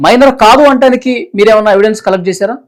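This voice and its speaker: A woman's voice: medium pitch, rapid-fire. A woman interviewing someone over the phone, politely putting questions and prompting with short acknowledgements. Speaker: interviewer, reporter.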